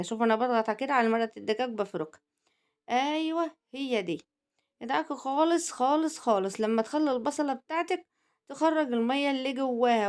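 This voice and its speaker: Fast-talking Egyptian woman cooking host. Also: a little high, darkish tone. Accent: Egyptian Arabic. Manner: chatty, teasing, addresses viewers directly. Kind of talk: cooking video narration.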